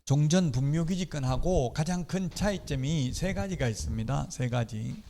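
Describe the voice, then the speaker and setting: A middle-aged man gives an exam-prep lecture on real estate law, explaining points clearly and slipping in casual personal asides. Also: fairly high pitch, lively intonation, moderate pace, warm tone. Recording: long hall reverb.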